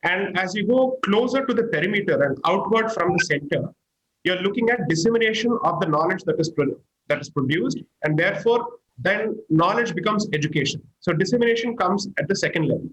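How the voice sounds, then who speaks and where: A man with a fairly high voice builds his case piece by piece, methodically and clearly. His tone stays measured and analytical throughout. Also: lively intonation, fairly bright tone, poor audio. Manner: structured, analytical explanation. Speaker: panel guest. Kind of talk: panel discussion.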